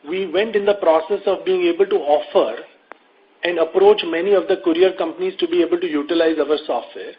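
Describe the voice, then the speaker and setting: A male company executive with a fairly high voice explains business matters on an investor call. He is measured and methodical, laying things out step by step. The audio is muffled, like a conference line.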